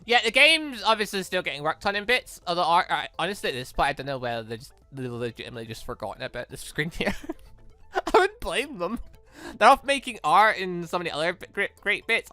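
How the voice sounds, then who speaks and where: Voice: medium pitch, animated, brisk, sharp tone, no room sound, faint music behind. A gaming YouTuber giving casual, rambling and exclamatory commentary on a game. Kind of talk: casual game commentary with read-aloud dialogue.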